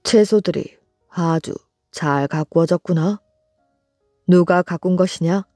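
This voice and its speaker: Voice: medium pitch, slow pace, a little mellow, no echo, clean studio sound, faint music behind. A storyteller reading an approving old court minister. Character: approving high court minister, older man.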